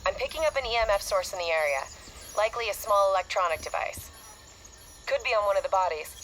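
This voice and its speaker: Calm techy intel woman, actress voicing her, even clipped reports, music behind. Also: medium pitch, close to an everyday voice, low-quality recording. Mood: level. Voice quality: measured, clipped technical reports. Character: calm, analytical female intelligence operative. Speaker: intelligence operative. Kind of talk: video game cutscene acting.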